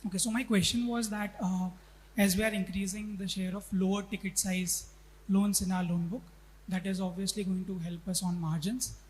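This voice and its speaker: A man's voice: high-pitched, little pitch movement, normal speed, rough recording. An Indian man speaks as a financial analyst on a conference call. He asks his questions politely. There is faint noise and hum behind the voice.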